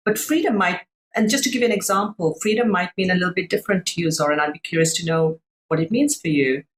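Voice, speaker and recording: A woman's voice: lowish voice, slight background noise, poor audio. A middle-aged woman from Sri Lanka, a coach talking thoughtfully about personal experience on a video call. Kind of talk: reflective conversation.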